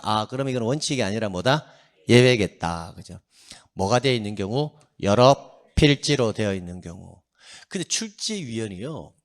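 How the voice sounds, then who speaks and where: Male exam lecturer, middle-aged, lively delivery that climbs and drops a lot, poses his own questions and answers them, jokes in passing. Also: mid-range voice. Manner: drills students to repeat phrases aloud; joking asides.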